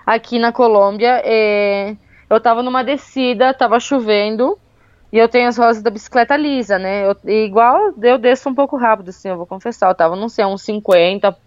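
A woman, telling a travel story in a casual, lively way, full of fillers. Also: fairly high pitch, dry recording, highs cut off. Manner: lively, with many fillers like "tipo" and "meu".

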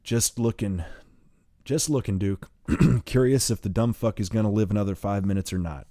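A man voicing a calm, gruff man in charge who gives orders with dry humor. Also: on the low side, moderate pace, no room sound, close to an everyday voice. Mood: commanding. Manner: coolly commanding, drawling.

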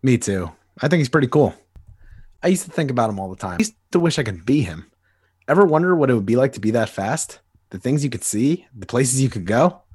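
A man playing a husky, wistful grown-up hero. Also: medium pitch, big pitch swings, a little fast, a little mellow, dry recording, studio quality. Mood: earnest. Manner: wistful, earnest inner monologue. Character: nostalgic grown-up superhero, adult man. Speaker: podcast co-host. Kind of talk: amateur comic dramatic reading.

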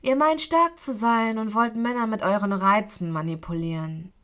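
A woman voicing a cold, emotionless male kidnapper who speaks slowly and lower than her narration. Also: fairly bright tone, natural voice.

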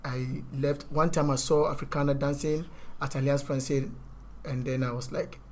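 A man speaks as an interview guest. His voice sits at an ordinary mid pitch. He tells his story in an easygoing way and laughs readily. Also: little pitch movement, moderate pace, slight background noise. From Accra, Ghana. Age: 30s. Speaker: guest, professional dancer.

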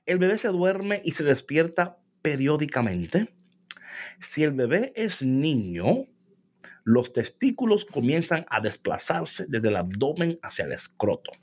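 A man's voice: a little high, big pitch swings, measured pace, slightly rough. A man co-hosting a casual chat, reading a text aloud, joking about its words, laughing often and slipping English into his Spanish. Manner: jokes about words he reads. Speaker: co-host.

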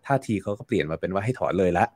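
Low-voiced man explaining in an interview. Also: expressive, very fast, darkish tone, breathy edge, dry recording. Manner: explanatory, with frequent fillers and repeated words. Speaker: guest commentator. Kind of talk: casual interview talk.

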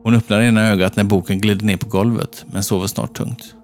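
Low gravelly male narrator. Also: fairly even intonation, a little mellow. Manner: tense, measured storytelling. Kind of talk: scripted horror narration. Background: faint background music.

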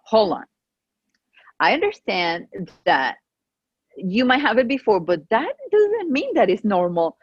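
A middle-aged woman whose first language is Spanish, a pharmacist guest telling stories in an animated way with many restarts, on a remote call. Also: fairly high pitch, unhurried, pauses often, slightly rough, no room sound. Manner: animated storytelling with frequent restarts. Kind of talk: casual conversational interview. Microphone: remote call microphone. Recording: dull lo-fi call audio.

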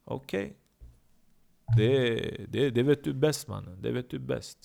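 A man's voice: mid-range voice, vocal fry, dark tone. A man voicing a subdued, evasive young man who stumbles and repeats his words in a comedy podcast sketch.

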